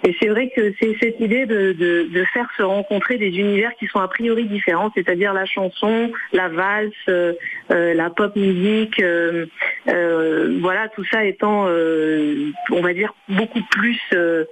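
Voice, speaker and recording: A woman's voice: medium pitch, measured pace, rough recording. A woman, a singer whose first language is Arabic, answering radio interview questions in a hesitant way, with many fillers and restarts. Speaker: singer and musician guest.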